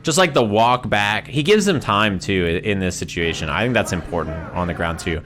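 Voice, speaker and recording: A man's voice: lowish voice, animated, brisk, fairly bright tone, soft background music. A man giving casual, conversational fighting game commentary on a livestream, repeating phrases for emphasis and often checking in with "right?".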